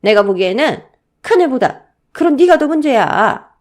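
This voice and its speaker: A woman voicing an older, stubborn mother-in-law who scolds and plays favorites, in a drawn-out nagging way. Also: high-pitched, sing-song, darkish tone, voice pushed up. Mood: scolding.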